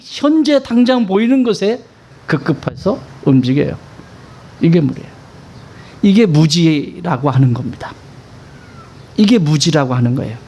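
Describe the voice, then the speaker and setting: A man's voice: high-pitched, darkish tone, slight background noise. A male pastor preaching a sermon in a conversational way, asking his congregation questions and stressing points emphatically.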